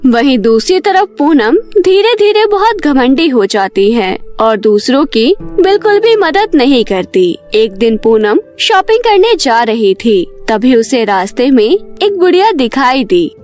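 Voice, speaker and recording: A woman's voice: sits high, very animated, a little slow, hardly any pauses, darkish tone, faint music behind. A woman giving scripted narration for a children's cartoon story.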